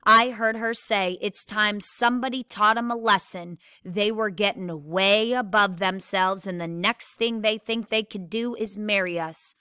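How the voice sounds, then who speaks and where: A woman's voice: mid-range voice, fairly even intonation, a little slow, hardly any pauses, pushed and bright, smooth, no room sound, clean studio sound. A woman voicing a blunt, curious young tomboy girl with earnest questions in a read-aloud novel.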